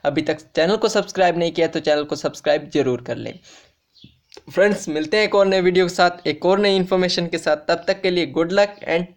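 A man's voice: sits high, a little fast. A man presenting an informal explainer for students, speaking straight to viewers as friends and restating each fact more than once. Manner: repetitive, restates facts, addresses viewers as friends. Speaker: education YouTuber.

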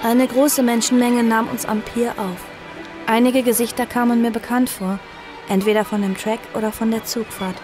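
A woman's voice: on the high side, flat delivery, moderate pace, over music, lightly acted. An actress playing an earnest, frightened young woman in an audio drama, acting and narrating in the first person. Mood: tense recounting. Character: Abby, earnest frightened young woman fleeing her uncle.

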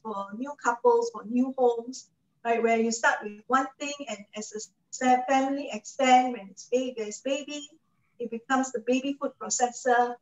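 Chatty Malaysian woman pitching on a video call. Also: reverberant, distant mic, lo-fi sound. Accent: Malaysian English. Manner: chatty, persuasive, checks in with "okay?" and "right?". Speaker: cooking show host and product advisor. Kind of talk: product presentation to an online audience. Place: home kitchen, indoors.

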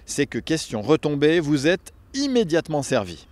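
A man presenting a radio feature on a restaurant, narrating in a lively way with playful turns of phrase and asking questions. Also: on the high side, moderate pace. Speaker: radio reporter.

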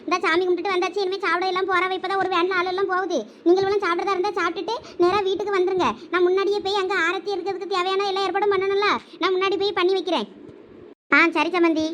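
A woman's voice: very high-pitched, flat delivery, very fast, slight background noise. A woman with a Thoothukudi Tamil accent performing village family comedy drama dialogue, chatty, scolding and coaxing.

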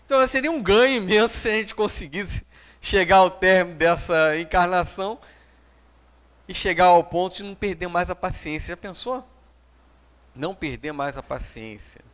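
A man's voice: sits high, normal speed, fairly bright tone, clear, resonant tone. A middle-aged Brazilian man giving a conversational spiritist lecture, standing and gesturing, often tagging lines with "né?", in a small hall picked up by a room mic. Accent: Brazilian Portuguese. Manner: standing and gesturing while speaking. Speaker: speaker giving a public talk.

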